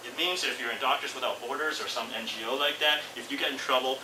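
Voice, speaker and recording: A man's voice: medium pitch, quick pace. A middle-aged man with a Canadian accent giving an informal academic talk, posing rhetorical questions and checking in with his listeners. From Vancouver, Canada. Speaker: university lecturer. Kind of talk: academic conference talk to an audience. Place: indoor seminar room with audience, far camera. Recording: echoey room, distant mic, loud noise.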